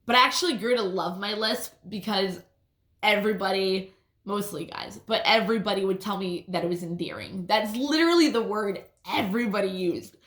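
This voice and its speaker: A woman's voice: mid-range voice, a little fast, fairly bright tone. A woman with a lisp telling a rambling personal story in a casual, swear-filled way, often restarting her sentences. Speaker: vlogger. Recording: roomy echo.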